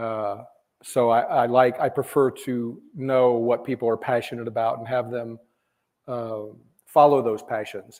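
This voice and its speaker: In an American accent, a man talks at a fairly slow pace with medium pitch and monotone, flat intonation. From Kansas. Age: 60s. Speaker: entrepreneur and creative director. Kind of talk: talk to a live audience. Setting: event room with audience, also streamed online. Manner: hesitant, many fillers.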